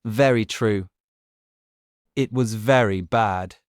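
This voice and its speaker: An actor playing an eager, gallant young gentleman, smooth and persuasive, in an audiobook period drama. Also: lowish voice, slow pace, dry recording, clean studio sound. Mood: gallant, conceding. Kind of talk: audiobook full-cast period drama acting.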